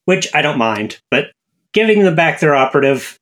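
A man's voice: a little high, very animated, moderate pace, a bit bright. A man co-hosting a casual gaming podcast, explaining rules. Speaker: podcast co-host.

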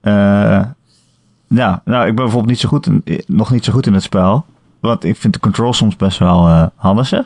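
Low-voiced man, relaxed chat, dry sound. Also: normal speed, no room sound. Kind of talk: casual chat.

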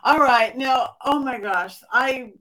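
A woman hosting a talk show, bubbly and excitable in casual conversation. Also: high voice, takes it slowly, rough recording. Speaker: show host. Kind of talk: casual interview chat.

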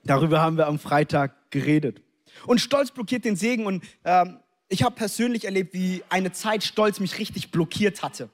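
A young adult male preacher from Germany delivers an animated sermon in a fairly high voice. He tells personal stories, acts out the scenes and sprinkles in English interjections. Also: moderate pace.

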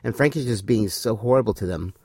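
A man's voice: fairly low pitch, a little fast, warm tone, husky, no room sound. Rambling man in a dry room. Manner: rambling, full of fillers. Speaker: podcast co-host. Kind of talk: casual chat reviewing a TV episode.

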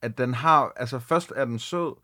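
Young man, playful and halting. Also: medium pitch, bright, forceful tone. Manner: playful, hesitant phrasing, swears casually. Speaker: podcast co-host. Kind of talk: casual chat, candy review.

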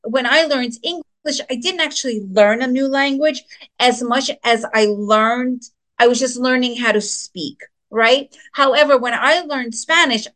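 A woman's voice: a little high, fairly bright tone. Upbeat chatty woman presenter. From United States. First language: Russian. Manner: upbeat, chatty, addresses audience directly. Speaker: trading presenter. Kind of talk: webinar presentation.

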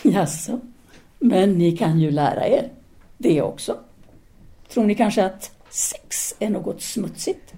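A woman's voice: medium pitch, lively intonation, dark tone, natural voice. An actress playing a self-assured, seductive intellectual woman, a didactic and teasing free thinker in an audio drama. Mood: teasing, frank.

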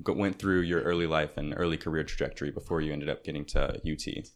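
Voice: very deep voice, steady tone, fast. An interviewer asking questions in a casual, rambling way, correcting himself as he goes. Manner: rambling, self-correcting, laughs easily.

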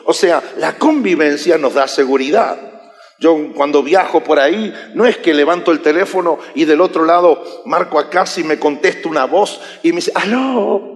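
A man preaching a sermon, animated and joking with his congregation. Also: a little high, moderate pace. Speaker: pastor. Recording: echoey hall reverb.

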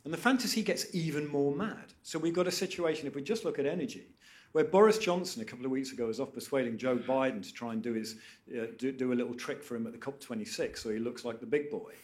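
A man arguing on a debate panel, stressing words with sudden loud bursts. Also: medium pitch, fast. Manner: emphatic, swings sharply in loudness for stress. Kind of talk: debate argument.

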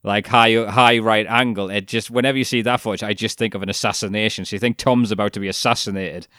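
A man's voice: on the low side, steady tone, fast, pushed and bright, no echo, clean studio sound. A man co-hosting a podcast, rambling through a casual chat about a documentary with frequent restarts, fillers and the odd swear word. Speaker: podcast co-host.

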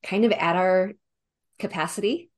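A woman's voice: mid-range voice, unhurried. A woman hosting a podcast, talking in an upbeat, encouraging way. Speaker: podcast host. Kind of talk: casual podcast interview.

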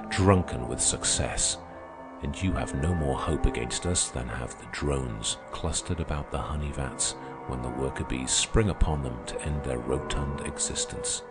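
A fiery young revolutionary , read by a man, addresses his opponents in a very low, weighty voice. He speaks in forceful, measured declamation. Soft music sits under the reading. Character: fiery young male revolutionary orator, commanding. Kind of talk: audiobook character reading.

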